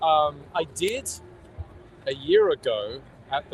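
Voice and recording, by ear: A man with a British accent and ordinary pitch variation, over noticeable background noise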